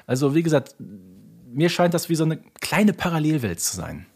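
A man's voice: on the high side, big pitch swings, moderate pace, creaky, a little mellow, breathy edge. A man co-hosting a fan podcast, chatting casually and explaining things with close attention to detail. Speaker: podcast co-host.

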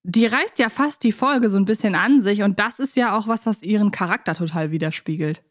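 A woman's voice: mid-range voice, fairly quick. A woman co-hosting a podcast, chatting casually and enthusiastically. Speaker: podcast co-host.

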